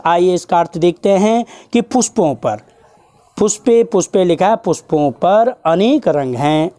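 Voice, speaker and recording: A man teaching a school lesson, going word by word, repeating himself, and chanting verses slowly. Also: sits high, mellow. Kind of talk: Sanskrit lesson explanation.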